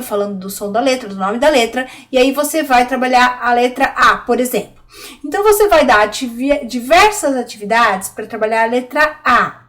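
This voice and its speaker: Brazilian lady teacher, high voice, explaining stuff to other teachers, keeps asking "ok?". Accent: Brazilian Portuguese. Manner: explanatory, addresses teachers directly, frequent "tá?" check-ins. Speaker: literacy teacher. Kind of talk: online teaching video.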